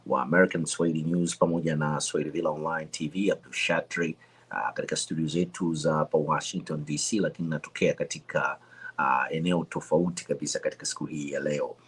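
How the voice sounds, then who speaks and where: A male show host with a very deep, husky voice, introducing a guest from a temporary studio. He speaks haltingly, filling pauses with long drawn-out sounds. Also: fairly even intonation. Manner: halting, many drawn-out "ah" fillers. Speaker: host, broadcaster.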